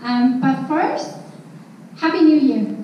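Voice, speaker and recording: A woman's voice: sits high, takes it slowly, heavy background noise. A woman from southern Vietnam with a Vietnamese accent, speaking with a handheld mic to a large conference room, joking and candid. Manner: lively, joking, candid about cussing. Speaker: speaker at a real estate training. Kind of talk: presentation to an audience. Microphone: handheld mic, filmed from far back. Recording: echoey room from far off, dull.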